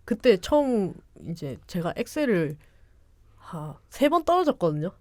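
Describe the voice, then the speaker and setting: A woman's voice: medium pitch, very animated, a little slow, dark tone, no room sound. A woman with a Korean regional accent, chatting casually as a podcast guest in a rambling, giggly, self-deprecating way. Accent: Korean regional dialect. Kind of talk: casual conversational storytelling.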